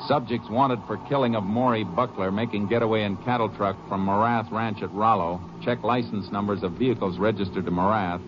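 An actor playing a tough, steady Texas Ranger in a 1950s radio western, clipped and authoritative, on a muffled old broadcast. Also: male voice, lowish voice, fairly quick, hardly any pauses, background noise, natural voice. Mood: urgent, commanding. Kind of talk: 1950s radio western acting and terse narration.

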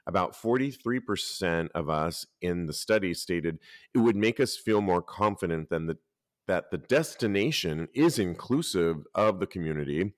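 Deep-voiced man hosting a chatty podcast. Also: normal speed, no room sound, studio quality. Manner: lively, reads out articles and listener posts. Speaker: podcast host. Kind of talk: casual podcast chat.

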